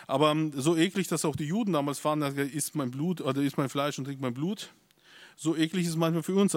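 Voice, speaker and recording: A man's voice: mid-range voice, no echo. Emphatic male preacher, dry sound. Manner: emphatic, rising to insistent peaks; hesitant restarts and fillers. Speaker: pastor. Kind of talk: sermon.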